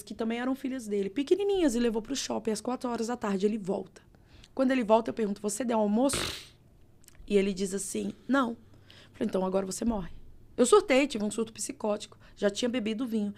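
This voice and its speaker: A woman pastor with a Brazilian accent, telling her testimony in a podcast interview with expressive, dramatic storytelling. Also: a little high, gravelly. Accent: Brazilian Portuguese. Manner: expressive, dramatic storytelling with vivid reenacted dialogue. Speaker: pastor, guest.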